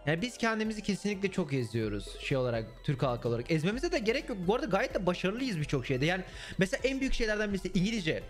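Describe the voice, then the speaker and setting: Young man, fairly high voice, lively pitch, blunt and sweary, faint music behind. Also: very fast. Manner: blunt, swears and mocks freely. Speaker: streamer. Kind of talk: casual chat with stream viewers.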